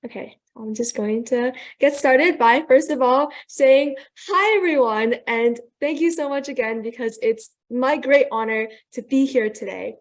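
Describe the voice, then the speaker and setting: Young female student speaker, high-ish voice, earnest and polished, video-call mic. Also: measured pace, few pauses. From Thailand, raised in New York. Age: young adult. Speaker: guest speaker. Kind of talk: prepared presentation on a video call.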